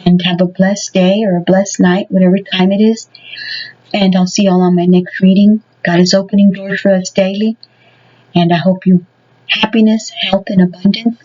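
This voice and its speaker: A woman's voice: medium pitch, little pitch movement, moderate pace, darkish tone, muffled recording. A woman giving a casual tarot reading to her viewers. She talks in a rambling way and fills her sentences with many "you know"s. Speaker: tarot reader.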